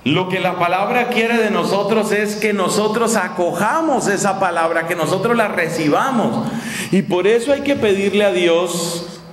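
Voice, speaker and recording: Lively friar preaching in an echoey hall. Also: male voice, high-pitched, moderate pace. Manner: animated, acts out little scenes with voices; conversational, asks listeners questions. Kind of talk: radio sermon. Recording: echoey hall, long reverb, faint ambience.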